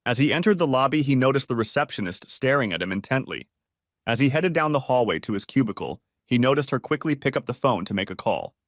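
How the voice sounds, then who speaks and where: A man narrating an audiobook story in a steady storytelling manner. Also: medium pitch, fast, no echo, studio quality.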